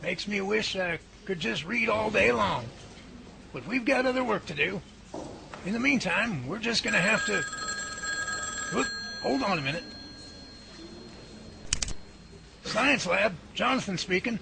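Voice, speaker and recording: A man's voice: high voice, animated, moderate pace, creaky, noisy background, full character voice. A man playing an enthusiastic, folksy science professor in an audio drama, given to gushing exclamations. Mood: businesslike. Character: enthusiastic academic professor in a science lab, easily awed.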